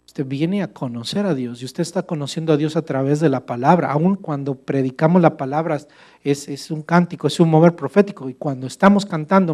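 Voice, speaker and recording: A man preaching a sermon as pastor to his church, animated, asking rhetorical questions and addressing listeners as brother. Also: medium pitch.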